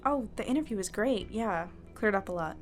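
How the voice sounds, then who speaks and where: A woman's voice: medium pitch, lively intonation, fairly quick, soft background music, close to an everyday voice. A woman playing an earnest, anxious female reporter in an audio drama, conversational, tentative and a little self-deprecating. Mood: troubled. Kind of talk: naturalistic audio drama acting and narration.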